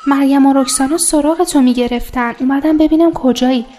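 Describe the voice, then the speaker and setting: An actress playing a caring young woman who gently coaxes a crying friend in a radio drama. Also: high-pitched, natural voice. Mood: tender. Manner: tender, coaxing.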